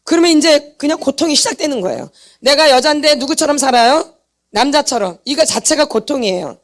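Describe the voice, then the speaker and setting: A woman's voice: high-pitched, animated, a little fast. A woman teaching a church healing seminar, driving her points home and quizzing the congregation for answers. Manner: emphatic, repeats points and quizzes the audience for answers. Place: church meeting hall.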